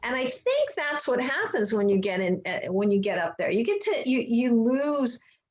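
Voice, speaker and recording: Over noticeable background noise, a woman with a high voice speaks at a moderate pace with hardly any pauses and very wide pitch swings. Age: 60s. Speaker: co-author and former radio host. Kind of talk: interview.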